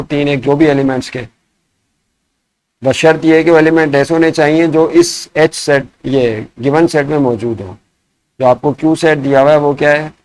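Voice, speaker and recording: A man teaching a math lesson. He asks his students questions and answers them himself, and he slows down to dictate each problem word by word. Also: medium pitch, darkish tone, dry recording. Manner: mixes in English math terms. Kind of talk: classroom lesson explaining sets.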